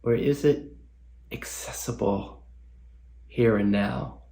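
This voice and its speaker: Male meditation teacher, gravelly fry, lowish pitch, gentle, reflective, frequent pauses. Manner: gentle, pausing, reflective questioning. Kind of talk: guided meditation.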